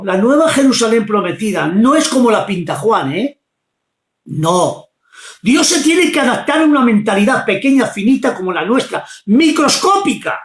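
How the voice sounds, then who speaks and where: A man preaching fervently, often shouting his exclamations. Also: high voice, roomy sound. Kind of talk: impassioned preaching.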